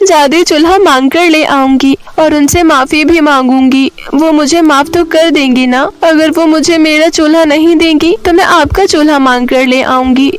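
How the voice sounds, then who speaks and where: A woman's voice: steady tone, moderate pace, hardly any pauses, lightly acted. A woman voicing a tearful, pleading little girl, a remorseful younger sister in a children's cartoon story. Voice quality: high, tearful girlish voice. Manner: pleading, whining.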